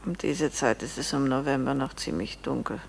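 An actress playing a guarded innkeeper's wife under questioning in a radio crime drama, terse, controlled and defiant. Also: female voice, extremely low pitch, moderate pace, vocal fry, slight background noise, exaggerated voice. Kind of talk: German radio play acting.

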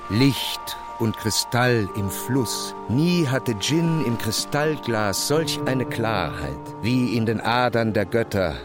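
Over prominent music, a solemn man reciting visionary verse in a low voice. He moves very slowly and measures each phrase like an incantation, as in a poetic radio play.

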